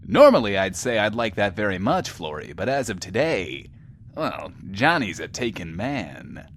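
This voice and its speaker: A man's voice: fairly low pitch, big pitch swings, measured pace, faint music behind. A man playing a pompous, chatty post-apocalyptic radio host with a theatrical, self-important manner. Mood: breezy, awkward. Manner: theatrical, self-important, refers to himself in third person. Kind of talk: in-world radio show acting.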